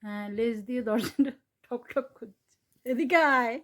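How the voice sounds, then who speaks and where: A woman with a fairly high voice talks to her kitten while she films at home. She coaxes it toward her in soft calls, then scolds it with firm reproach when it bites and plays rough. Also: steady tone, moderate pace. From Bengal. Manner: coaxing and scolding a pet, shifting between soft calls and louder reproach. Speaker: vlogger.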